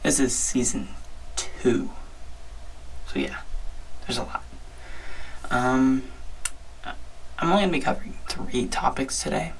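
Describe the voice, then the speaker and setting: A hoarse young man hosting his own podcast, giving chatty, upbeat sports talk with frequent restarts. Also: medium pitch, expressive, measured pace, long pauses, slight background noise, poor audio. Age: young adult. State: hoarse, strained voice. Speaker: podcast host. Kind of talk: casual solo sports talk.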